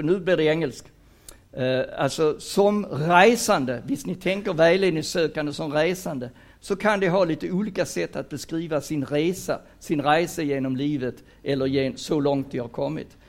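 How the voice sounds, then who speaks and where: A retired man in his sixties from Sweden, giving a lecture on career guidance and mixing Danish words into his Swedish in an animated, playful way. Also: on the high side. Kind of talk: lecture to an audience.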